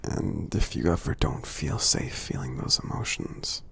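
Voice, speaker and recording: A man voicing a kindly, reassuring giant in a soothing ASMR roleplay, half-whispering with a husky, gravelly creak and halting delivery. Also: very deep voice, fairly bright tone, exaggerated voice. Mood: soothing, caring. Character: gentle friendly male giant, kindly and reassuring. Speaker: ASMR performer.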